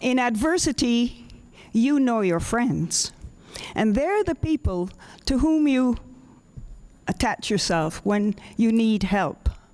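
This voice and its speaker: Lively intonation at a very slow pace. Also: woman. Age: 80s+. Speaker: honoured elder speaker. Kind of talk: speech at a council meeting.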